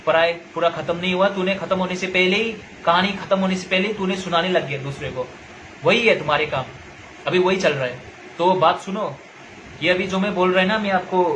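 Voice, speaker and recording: Speaking in a high, slightly bright voice, a young Nagaland man, a social media commentator from India, angrily lectures someone straight to camera. He is confrontational and keeps repeating himself. Slight background noise runs through this low-quality recording.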